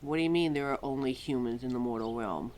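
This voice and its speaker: A woman's voice: a bass voice, fast talker, a little mellow, slight background noise. A woman playing a scatterbrained, centuries-old keeper of forgotten lore in a roleplay audio drama, flustered and hesitant as she talks to a listener. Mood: bewildered.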